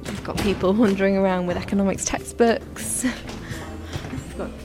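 A woman's voice: mid-range voice, unhurried, over music. A woman presenter who describes her surroundings as she walks, then asks conversational interview questions.

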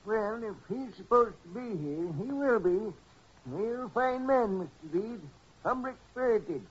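An actor playing a folksy railway station master with a rural American accent and plain country talk, in 1940s radio style. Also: male voice, high-pitched, expressive, a little slow, breathy edge, full character voice. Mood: folksy, assured. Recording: muffled 1940s radio recording.

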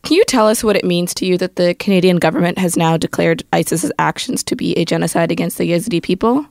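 A woman's voice: on the low side, fast, vocal fry, a little mellow, no room sound, studio quality. A woman hosting and interviewing in a conversational presenting style. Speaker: interviewer, show host.

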